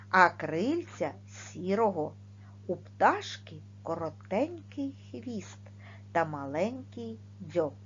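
Slow, lively-voiced woman teaching children. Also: mid-range voice, lo-fi sound, a little hiss or hum. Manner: slow, clearly articulated, stressing words and sounds. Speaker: primary school teacher. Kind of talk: video lesson for children.

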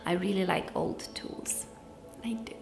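A woman's voice: fairly low pitch, unhurried, vocal fry, whispered, soft background music. A young adult woman, chatting casually and cheerfully to camera like a vlogger. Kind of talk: casual vlog chat to camera. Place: sparsely furnished room with wooden floor, indoors. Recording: roomy echo.

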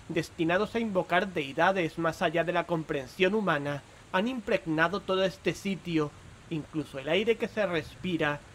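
An actor playing a haunted, foreboding investigator in a horror audio drama, speaking in a solemn, literary way. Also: male voice, on the high side, fairly bright tone, a little hiss or hum. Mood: grave, ominous. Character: grim, foreboding male investigator haunted by visions. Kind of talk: Spanish horror audio drama, narration and dialogue.

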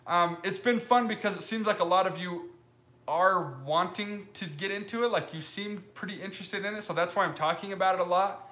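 A man's voice: high voice, brisk, pushed and bright. A young man live-streaming from his leather workshop, chatting casually in a loose, rambling way with lots of fillers. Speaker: live-streaming maker vlogger. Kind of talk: casual live stream chat, reading comments. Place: wooden-walled leather workshop, indoors. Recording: roomy workshop echo.

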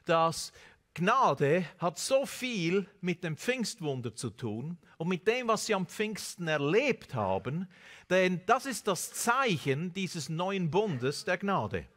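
A man in his forties delivers a sermon from a large church stage, his voice sitting a little high. He preaches with animated emphasis and sprinkles in Amen and Hallelujah as he goes. The sound comes through a headset microphone. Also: takes it slowly. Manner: animated preaching with Amen and Hallelujah interjections, mixing in English words. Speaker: pastor. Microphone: headset mic.

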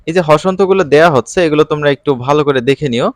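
A man runs a casual exam-prep lesson for students. His voice sits a little high for a man, and he talks in an easy, colloquial way with fillers. The recording is close and dry, with no room sound. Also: fast talker, no echo. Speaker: online tutor.

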